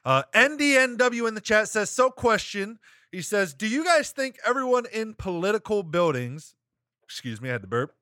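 Guy cohosting a stream, bright tense voice, kinda rambly, ums a lot. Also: high-pitched, very animated, moderate pace, no echo, studio quality. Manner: rambling, hedging, many "um" and restarts. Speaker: podcast co-host. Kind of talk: casual live-stream chat.

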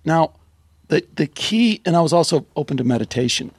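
A man hosting a podcast in a relaxed, conversational, somewhat halting way. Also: fairly high pitch, slightly rough, no room sound. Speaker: podcast host. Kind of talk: casual interview.

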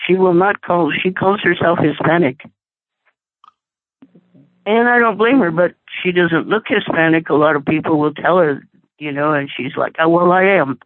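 A woman's voice: fairly low pitch, dry recording. A woman calling a radio talk show, speaking in an earnest, conversational way. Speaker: caller. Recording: tinny phone line.

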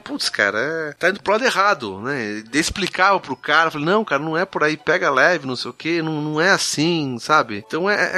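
Brazilian man, high voice, rambling casual storyteller, quick delivery. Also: sharp tone. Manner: rambling, many fillers and restarts. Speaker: guest streamer on a podcast.

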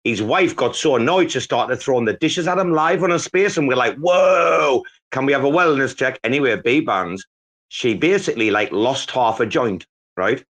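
A man's voice: mid-range voice, expressive, normal speed, fairly bright tone. A man hosting a casual live chat, telling a rambling story full of swearing.

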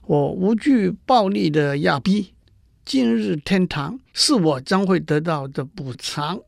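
A man's voice: high voice, lively intonation, takes it slowly, gravelly, dry recording, clean studio sound, heavily acted. A man voicing a suffering young prince who is half turned to stone, telling his woes in a mournful storytelling tone. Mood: prayerful.

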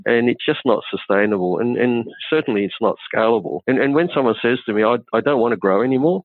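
A man, croaky from a cold, talking as a podcast guest in a rambling, plain-spoken way with many restarts. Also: on the low side, no echo. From Australia. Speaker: guest, accountant and firm co-founder. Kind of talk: casual interview chat. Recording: tinny phone-like line, dry.

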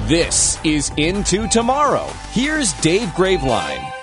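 A man giving a radio show's opening announcement in a booming, dramatic announcer style. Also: huge pitch swings, slow pace, music in the background. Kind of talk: radio show intro announcement.

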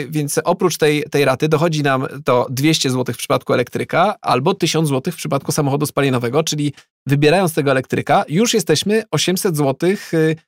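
A man's voice: fairly high pitch, dry recording, studio quality. A man in a panel discussion who works through cost figures aloud as he explains them. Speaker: panel guest. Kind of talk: conversational discussion.

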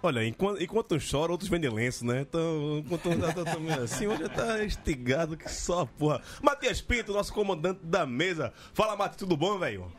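A man with a Northeastern Brazilian accent hosts in a slightly high voice. He banters playfully, teasing his panelists and swearing freely. Faint music plays underneath. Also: expressive, fairly quick, hardly any pauses. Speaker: sports podcast host. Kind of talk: casual hosting banter.

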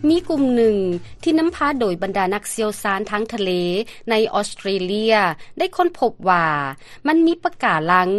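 A woman's voice: fairly high pitch, very animated, moderate pace, few pauses. Lao-accented woman anchor over music. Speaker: radio news anchor. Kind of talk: scripted news reading.

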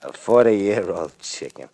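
An actor playing a scheming, mocking racketeer boss in a 1950s radio drama. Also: male voice, deep voice, expressive, slow, gravelly, warm tone, heavily acted. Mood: menacing. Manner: sneering, menacing.

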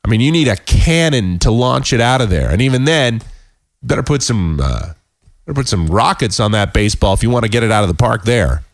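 A man hosting a casual sports podcast, hoarse and sick with a cold, talking in a rambling, self-deprecating way with many halting restarts. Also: medium pitch, lively intonation, dry recording, clean studio sound. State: hoarse, losing his voice. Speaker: podcast host.

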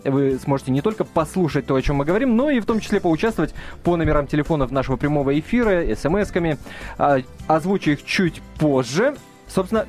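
Chatty male radio host, higher voice. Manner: chatty, joking, with many fillers and restarts. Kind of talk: live radio talk show. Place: radio studio.

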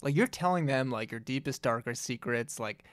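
A man's voice: medium pitch, expressive, normal speed, a bit bright, dry recording. A man co-hosting a podcast, talking through the news in a casual, loose way with lots of "like". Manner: casual, heavy use of "like" fillers. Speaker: podcast co-host. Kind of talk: casual legal news discussion.

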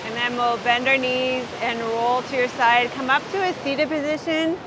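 A woman instructing a yoga class outdoors, speaking up over the rushing water of a river and waterfall. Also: high-pitched, fairly even intonation, noisy background.

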